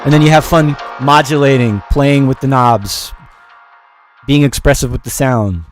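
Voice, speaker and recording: A man's voice: mid-range voice, measured pace. A middle-aged man giving a casual livestream music production lesson in a rambling, informal, self-deprecating way. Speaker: music production teacher and show host.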